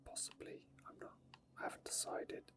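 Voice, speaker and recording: A person whispering softly, very close to the microphone, in unscripted ASMR game commentary and chat. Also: normal speed. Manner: soft whispering throughout. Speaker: ASMR gaming video creator. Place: indoor gaming setup at a computer. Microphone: microphone very close to the mouth.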